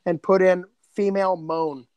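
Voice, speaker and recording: Male podcast co-creator, high voice, loose and rambling conversational delivery, very dry sound. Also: fairly even intonation, moderate pace, darkish tone, clean tone, dry recording. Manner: rambling, repeats phrases. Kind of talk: casual chat.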